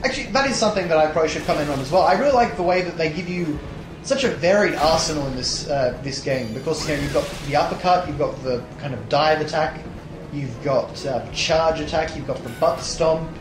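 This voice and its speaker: A young man with a slightly high, tired and hoarse voice talks through his gameplay in a loose, rambling way, full of ums and restarts. His voice bounces around an echoey room, and loud game music plays underneath. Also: a little fast. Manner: rambling, many fillers and restarts. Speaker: let's play host. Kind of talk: casual gameplay commentary.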